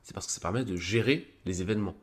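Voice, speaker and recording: Guy with a cold streaming, low deep voice, lots of euh and restarts. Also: quick pace. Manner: hesitant, many fillers and restarts. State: has a cold. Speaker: streamer presenting a psychology review. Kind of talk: casual live-stream commentary.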